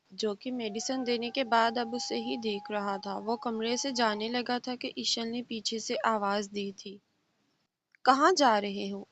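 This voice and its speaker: A woman narrating a novel in an even, steady reading voice. Her voice sits somewhat high, and the recording is dull and lo-fi. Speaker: novel reader. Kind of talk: story narration.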